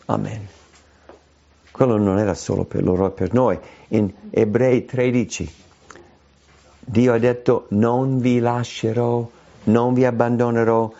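A man preaching a sermon, his voice leaping high when he acts out quoted cries. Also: steady tone, unhurried, dark tone. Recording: dull lo-fi recording.

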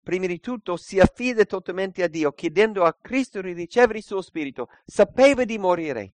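A man delivers a sermon in a slightly raised voice, earnest and searching. He drops to near-quiet, then presses his points with force. The sound is dry and close, with no room around it. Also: high-pitched, lively intonation, normal speed, no room sound. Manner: earnest, swings between soft and emphatic. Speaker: preacher. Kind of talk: sermon with Bible reading.

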